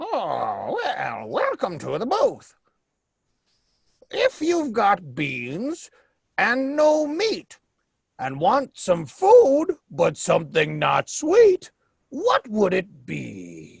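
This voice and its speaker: A playful put-on character voice at a very slow pace, with long, frequent pauses. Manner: riddling, playful.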